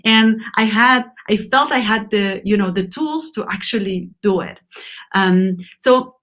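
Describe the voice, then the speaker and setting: Mid-range and a little slow, with a bright tone, this Argentine woman's voice leads a lettering class lecture. She talks off the cuff, often restarting and filling pauses with ums.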